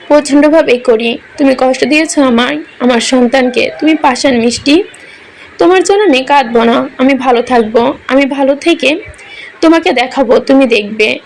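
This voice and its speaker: A heartbroken young father in a romance story, hurling bitter accusations, read in a woman's own high voice. The delivery stays close to plain narration, with a faint background hush. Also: creaky, slight background noise. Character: grief-stricken young husband and father, bitter and raging. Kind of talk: scripted story reading.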